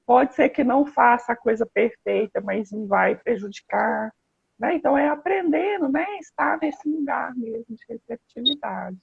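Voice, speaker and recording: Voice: mid-range voice, moderate pace, creaky, breathy edge, dry recording. A speaker, chatting casually on a live stream in short, encouraging phrases. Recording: tinny phone-like call audio.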